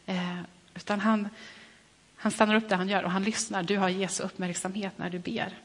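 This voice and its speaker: A woman's voice: medium pitch, little pitch movement. Woman preaching in a reverberant church. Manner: gentle reflective preaching with frequent restarts. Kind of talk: sermon.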